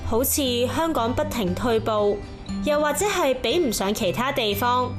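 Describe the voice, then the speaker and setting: Woman doing documentary voice-over, kinda high voice, smooth and measured, faint music. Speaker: narrator.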